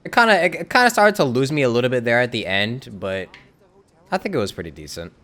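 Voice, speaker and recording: A man's voice: medium pitch, very animated, fast talker, sharp tone. A man streaming a video game, casual and laid-back. He laughs often and answers his chat. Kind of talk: casual live-stream commentary.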